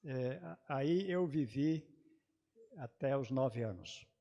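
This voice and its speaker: A man's voice: medium pitch, expressive, muffled recording. A man from southern Brazil, raised speaking a German dialect, telling his life story on a theology panel with many hesitations. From Brazil, grew up in Santa Catarina. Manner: halting, many hesitations and restarts. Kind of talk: personal recollection in a panel talk.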